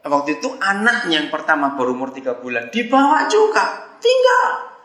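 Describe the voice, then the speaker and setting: A man's voice: a little high, fairly quick, very echoey, rough recording. An older man preaching a sermon, telling stories with laughter and acting out the voices in quoted lines. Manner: animated storytelling with laughs and acted quotes. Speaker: pastor.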